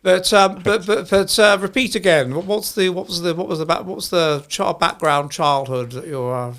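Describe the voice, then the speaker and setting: A man with a posh English accent hosting an interview, halting and full of restarts and repeated words. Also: high voice, fairly bright tone. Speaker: host. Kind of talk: interview host, chatty.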